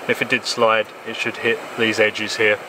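A man in his thirties from England casually reviewing a camping table outdoors in the woods, with a relaxed manner and plenty of ums and uhs. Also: lowish voice, normal speed, background noise. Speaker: gear reviewer. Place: outdoors in woodland.

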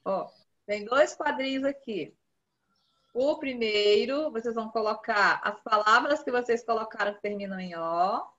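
Brazilian woman, high voice, patient grade-school teacher on a slightly muffled video call. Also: bright, forceful tone. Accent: Brazilian Portuguese. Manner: patient, repeats key words slowly for children. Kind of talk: online class instruction.

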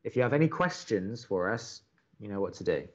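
Drew, low-voiced wry college radio host, acted by a man. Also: expressive, brisk, muffled recording, over music, natural voice. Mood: wry, upbeat. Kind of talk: naturalistic audio drama dialogue.

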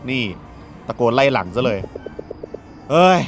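A man's voice: mid-range voice, lively intonation, measured pace, soft background music. A man playing through a video game, joking around and reading the dialogue aloud as he goes. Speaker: gaming YouTuber. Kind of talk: let's play commentary.

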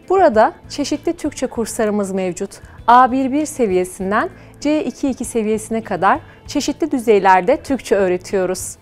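A woman speaks as an education coordinator, giving a formal, prepared introduction. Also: fairly high pitch.

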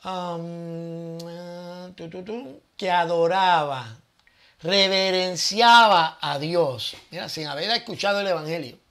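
A man's voice: on the high side, slow, bright, forceful tone. A man hosting his own channel, giving casual Bible teaching with rhetorical questions and thinking aloud.

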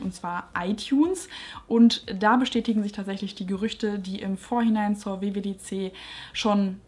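A woman's voice: mid-range voice, darkish tone. A woman in her twenties, a tech YouTuber, gives a chatty, lightly opinionated recap of tech news straight to camera in a small room at home.

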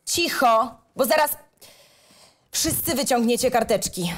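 A woman playing a stern, animated schoolteacher. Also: on the high side, a little slow. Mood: sarcastic, stern. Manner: strict, sarcastic, scolding. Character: stern, exasperated female schoolteacher. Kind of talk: script reading for audio drama.

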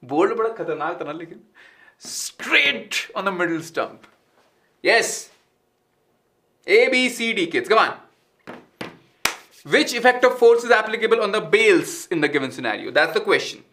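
A man's voice: high-pitched, fairly quick, pauses often. A man in his thirties with an Indian English accent, teaching a live online science class in a studio and mixing Hindi with English as he quizzes students. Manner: mixes Hindi and English, asks students questions; animated, gestures while talking. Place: studio with green screen.

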